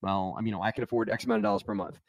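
A man hosting a podcast, talking to viewers and his guest in an energetic, casual way with quick restarts. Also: lowish voice, no room sound. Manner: energetic, talks fast with restarts and asides to viewers. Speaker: podcast host. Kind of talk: casual podcast monologue and interview.

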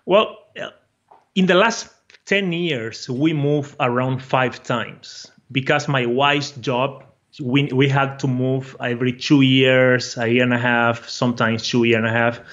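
A man's voice: mid-range voice, steady tone, unhurried, fairly bright tone, highs cut off. A man from Brazil with a Brazilian Portuguese accent, a guest telling his story in a casual interview, eager and often repeating words as he searches for phrasing. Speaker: guest, online course creator.

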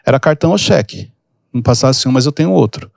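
A man's voice: mid-range voice, quick pace, gravelly, no room sound, studio quality. A man hosting a podcast, explaining emotional triggers through casual stories and acting out the people in them. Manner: storytelling, acts out quoted people. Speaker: podcast host and mentor. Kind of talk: casual teaching chat.

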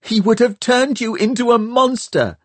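A male audiobook reader voicing an earnest, desperate teenage boy, shouting and pleading. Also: very high voice, normal speed, no room sound, voice pushed up. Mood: pleading, angry.

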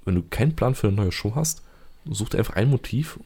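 A man's voice: lowish voice, expressive, fairly quick, dark tone, breathy edge. A man in casual chat, joking and rambling with fillers and restarts. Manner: chatty, jokey, many fillers and restarts.

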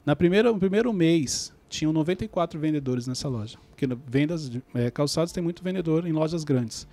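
A man's voice: on the high side, fairly quick. A man, telling stories from his own life as a podcast guest and acting out past conversations. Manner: animated, acts out remembered dialogue. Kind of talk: storytelling in a podcast interview.

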